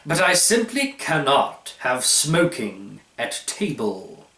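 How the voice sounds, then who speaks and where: A man's voice: mid-range voice, very animated, slow pace, sharp tone, full character voice. A man reading a story aloud, voicing a pompous, fussy connoisseur who savors each phrase with smug deliberation. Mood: angry, clipped. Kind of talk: dramatized short-story reading. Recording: roomy, echoey, distant microphone.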